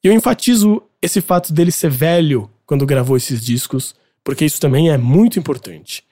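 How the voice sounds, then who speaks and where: Chatty Brazilian man with a mellow voice. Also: a little high, lively intonation, normal speed. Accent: Brazilian Portuguese. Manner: chatty, opinionated, explanatory. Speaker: podcast host presenting a music segment. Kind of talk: casual music commentary.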